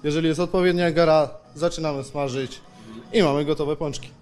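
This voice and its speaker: Man, raised pitch, matter-of-fact, step-by-step explanation, handheld mic, light background music. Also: fairly even intonation, a little fast, a little mellow. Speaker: pastry baker. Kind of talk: informal step-by-step process explanation. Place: tiled bakery production hall. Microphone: handheld microphone held by interviewer.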